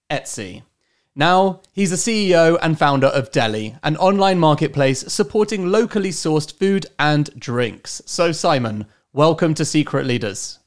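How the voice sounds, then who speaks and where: Upbeat male host. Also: on the high side. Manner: upbeat and friendly, chatty. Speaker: podcast host. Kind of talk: casual interview.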